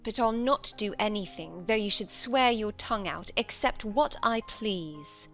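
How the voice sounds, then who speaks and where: A man voicing a defiant, sullen young woman who answers coldly, with soft music underneath. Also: high voice, animated, a little slow, gravelly, pitched above the performer's own voice, heavily acted. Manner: cold, defiant.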